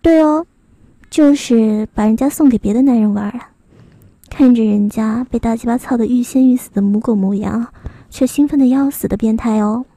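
A woman's voice: a little high, dark tone, no room sound. Woman playing a coy, mocking young woman. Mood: taunting. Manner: coy, teasing, drawn-out sentence endings. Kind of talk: adult fan audio drama.

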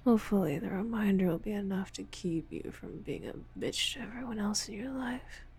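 A woman playing a dominant, taunting lover in an intimate audio roleplay, mostly in a husky whisper with a slow, commanding delivery. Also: mid-range voice, a little mellow. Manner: slow, teasing, commanding, profane.

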